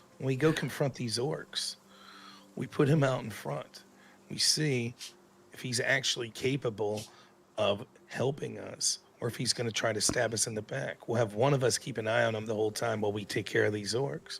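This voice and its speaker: A man whispers in a put-on character voice. It sounds raspy and moves at a moderate pace. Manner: whispering.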